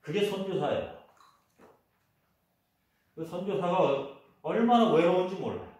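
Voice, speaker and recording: Korean pastor preaching in an echoey church. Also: male voice, high voice, animated, measured pace, darkish tone. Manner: storytelling, leading the congregation in repetition. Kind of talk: sermon. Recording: echoey church hall, voice from a distance.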